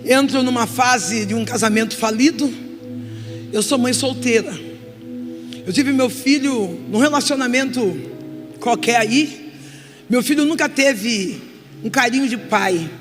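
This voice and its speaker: A middle-aged woman with a Brazilian Portuguese accent giving an emotional testimony sermon as a guest preacher, moving from soft confession to loud exhortation. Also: on the high side. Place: church hall. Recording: reverberant church hall with music.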